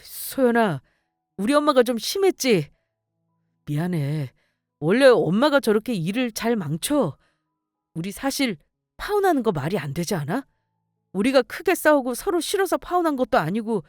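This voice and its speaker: A woman's voice: fairly high pitch, sing-song, normal speed, dry recording, clean studio sound, soft background music. A woman voicing a whiny young fiancé. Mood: wheedling. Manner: whiny, pleading.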